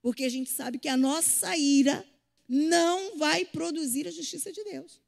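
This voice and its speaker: A woman preaches a sermon with a high voice and a gravelly rasp in it. She moves between loud and soft and acts out the voices she quotes. Her voice rings with a long reverb from the hall. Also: measured pace.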